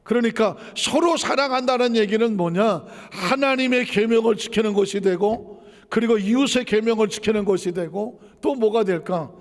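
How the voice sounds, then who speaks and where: A man's voice: high voice, moderate pace, long reverb tail. A male pastor preaching a sermon in a conversational way, asking rhetorical questions, telling a personal story and repeating phrases for emphasis.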